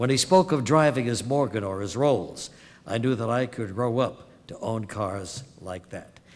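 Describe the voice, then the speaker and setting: A man with an ordinary speaking voice, medium pitch, lively intonation and a fairly slow pace. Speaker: awards ceremony presenter. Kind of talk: induction speech.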